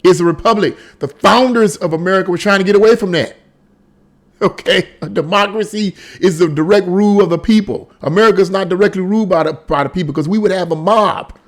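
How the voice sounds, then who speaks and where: High-pitched man, exasperated opinionated commentator. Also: brisk. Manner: exasperated, opinionated, repeating words and phrases for emphasis. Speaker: online political commentator. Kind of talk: unscripted commentary on a news article.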